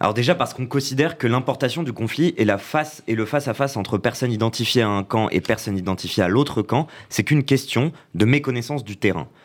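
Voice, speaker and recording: In a very clean recording with a silent background, a man talks very fast at medium pitch with ordinary pitch variation. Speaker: student association officer. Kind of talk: scripted report.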